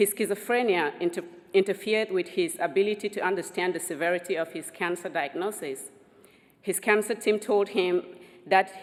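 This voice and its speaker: A woman with a non-native accent speaks at a moderate pace. Her pitch is medium, with ordinary pitch variation. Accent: noticeable foreign. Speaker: clinician presenting a patient case. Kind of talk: conference presentation. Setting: symposium stage with audience.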